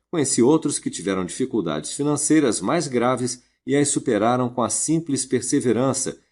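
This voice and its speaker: A man reading a self-help audiobook in a steady, earnest narration. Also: mid-range voice, breathy edge.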